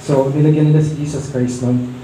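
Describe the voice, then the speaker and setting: A man's voice: medium pitch, little pitch movement, brisk, mellow, roomy sound, slight background noise, rough recording. A man preaching a sermon in an earnest, teaching manner. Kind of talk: Taglish sermon.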